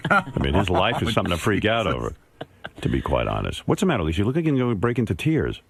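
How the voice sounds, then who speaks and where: Lively low-voiced teasing radio host. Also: male voice, gravelly, slightly rough, no echo. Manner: teasing, quick to laugh. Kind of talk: casual radio chat.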